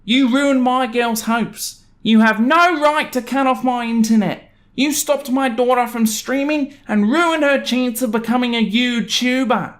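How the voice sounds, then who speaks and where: An indignant neighbour dad acted out by a man reading online complains in a high, strained voice. He is self-righteous and melodramatic, throwing accusations about. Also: a little slow, hardly any pauses, fairly bright tone. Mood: indignant outrage. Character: indignant, self-righteous neighbour father writing angry note.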